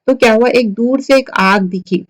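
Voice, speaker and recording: A woman giving a conversational Quran commentary lesson, retelling the story and asking her listeners rhetorical questions. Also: on the high side. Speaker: Quran teacher for women.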